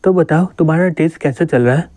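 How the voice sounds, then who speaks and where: A man reads a fatherly police captain in a manga recap. He is calm and quietly teasing, with a mellow, slightly high voice. The sound is dry and close. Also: fast talker, no echo, close to an everyday voice. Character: older male police captain, fatherly and shrewd.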